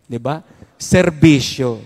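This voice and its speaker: A man's voice: medium pitch, slow, a little mellow. A middle-aged man from the Visayas, a priest giving a playful parish recollection talk, leading prayers and getting the audience to clap. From Visayas, Philippines. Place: church or parish hall. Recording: long hall reverb.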